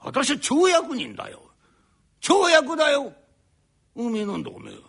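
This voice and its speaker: A male rakugo storyteller voicing a haughty, spiteful older landlord who talks down in drawn-out Edo downtown speech. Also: very high voice, wildly swooping pitch, gravelly, a bit bright, full character voice. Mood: sneering. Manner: sneering, condescending, drawn out.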